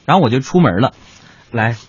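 A man telling a comic story, chatty and animated, talking to his listeners as friends. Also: mid-range voice, fairly quick, breathy edge, no room sound. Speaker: comedian. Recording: dry lo-fi recording.

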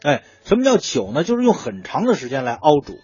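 A man's voice: fairly high pitch, wildly swooping pitch, fast, a little mellow, breathy edge, dry recording. A man with a Beijing accent explaining things conversationally, like a storyteller who poses questions and then answers them. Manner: colloquial storyteller, asking and answering own questions. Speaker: food writer guest explaining dishes. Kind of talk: conversational explanation of traditional cooking. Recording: muffled, dull lo-fi sound.

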